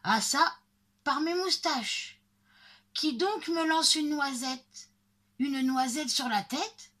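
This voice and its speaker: A woman's voice: sits high, takes it slowly, fairly bright tone, voice pushed up. A woman voicing a big, blustering, angry woodcutter in a storybook, bellowing threats and exclamations. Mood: startled outrage.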